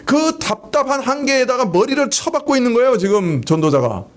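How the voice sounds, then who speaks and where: A man's voice: very high-pitched, very animated, brisk. A man preaching a sermon as pastor, talking to the congregation in a conversational way and asking them rhetorical questions. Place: church sanctuary.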